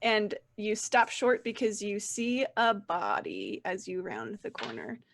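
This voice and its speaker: A woman's voice: medium pitch, very animated, measured pace, creaky, no room sound. A woman narrating as game master, loose and chatty with fillers and laughs.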